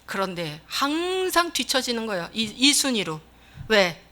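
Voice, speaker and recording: A middle-aged woman pastor preaching a sermon in an animated way, acting out Bible figures in short bits of dialogue. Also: on the high side, measured pace.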